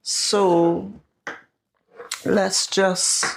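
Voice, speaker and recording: A woman with a Barbadian accent and a naturally husky voice, raspier than usual from a sore throat, chatting to viewers as she cooks in her home kitchen. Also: medium pitch, flat delivery, extremely slow, slight background noise, rough recording. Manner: chatty, talks straight to viewers. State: raspy, irritated throat. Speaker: home cooking vlogger. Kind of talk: casual recipe vlog.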